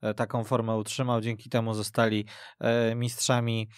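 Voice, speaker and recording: A man hosting a radio football talk show, pausing often with hesitant fillers. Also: medium pitch, flat delivery, smooth, no echo, studio quality. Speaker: radio podcast host. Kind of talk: casual chat. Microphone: studio mic.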